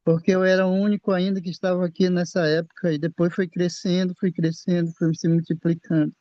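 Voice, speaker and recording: Older Brazilian man giving a halting testimony. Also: sits high, flat delivery, mellow, dry recording. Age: 60s. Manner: halting, repeats and restarts words. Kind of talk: personal faith testimony. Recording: dull lo-fi sound.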